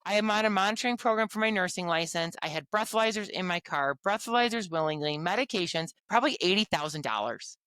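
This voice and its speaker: A woman guest on a podcast, telling her own story in a frank, expressive way. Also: lowish voice, quick pace, few pauses, smooth, no room sound. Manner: frank, expressive, lively retelling. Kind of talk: candid personal storytelling.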